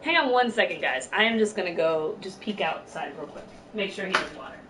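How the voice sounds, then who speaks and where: A woman's voice: fairly low pitch, lively intonation, a little fast. A woman chatting casually as she streams a game and gives live commentary. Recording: very noisy room, distant mic.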